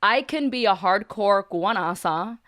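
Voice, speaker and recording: Podcast host, woman, Miami accent. Smooth clear tone, dry sound, informal and chatty. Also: medium pitch, lively intonation, a little slow, fairly bright tone, dry recording. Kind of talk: casual interview chat.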